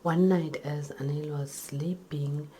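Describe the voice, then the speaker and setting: A woman telling a story in a breathy ASMR whisper, retelling it simply with hesitations and repeats. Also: sits low, fairly even intonation, slow pace, dark tone, a little hiss or hum.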